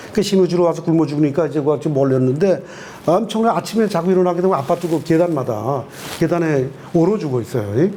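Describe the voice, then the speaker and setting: Through noticeable background noise, a high-pitched man speaks at a very fast pace with very even loudness and ordinary pitch variation. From North Korea, Sinuiju (Pyongan). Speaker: North Korean defector, arts association head. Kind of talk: interview testimony.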